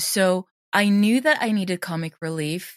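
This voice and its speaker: A woman with a Swedish accent is heard with a dry, close sound and no echo. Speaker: drama teacher and audio drama creator. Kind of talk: interview. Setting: remote call from home.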